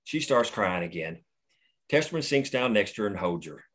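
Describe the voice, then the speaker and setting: A man's voice: fairly low pitch, very animated, moderate pace, a bit bright. A man plainly reading the action lines and stage directions at a screenplay table read.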